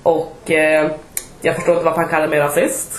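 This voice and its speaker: Chatty young woman in echoey room. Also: low voice. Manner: chatty storytelling, animated retelling. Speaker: podcast co-host. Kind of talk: casual chat.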